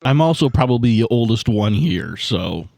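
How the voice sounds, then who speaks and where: A man's voice: medium pitch, big pitch swings, normal speed, creaky, darkish tone, no room sound, clean studio sound. A man chatting casually as a player in a tabletop game, thinking aloud in informal, sweary language.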